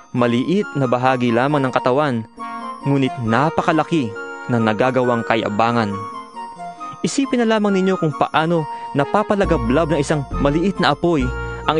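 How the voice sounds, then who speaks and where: A man gives an earnest, emphatic dramatized scripture reading, exhorting his listeners as a solemn narrator. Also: a little high. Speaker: narrator of a dramatized audio Bible. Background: music behind the voice.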